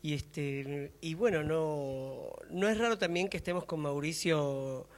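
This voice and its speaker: A man's voice: fairly high pitch, unhurried. Argentine man in a reverberant hall. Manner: hesitant, searching for words, thinking aloud. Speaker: actor and theatre maker. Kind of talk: reflective public conversation about theatre. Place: public talk in a hall.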